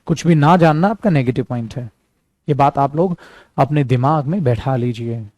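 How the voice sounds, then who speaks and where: A man from India teaching a spoken English class, lively and emphatic, switching freely between Hindi and English and slowing right down to spell out his example sentences. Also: medium pitch, no room sound. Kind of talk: classroom lesson, explaining at a board.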